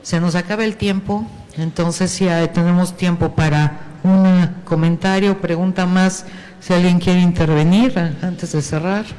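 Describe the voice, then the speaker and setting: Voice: mid-range voice, fairly even intonation, a little slow, a little mellow. Panel moderator, loose rambling delivery, lots of fillers. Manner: rambling, with many fillers and restarts. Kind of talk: panel discussion talk. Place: university museum hall.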